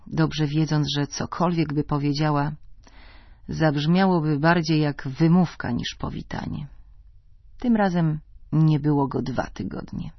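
A narrator reading an audiobook in a calm, even storytelling manner, heard in a slightly dull, dry recording. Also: medium pitch, gravelly, no echo.

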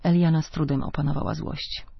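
Creaky, husky audiobook narrator. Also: medium pitch, a little fast, dry recording. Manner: calm, even storytelling. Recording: slightly dull, dry recording.

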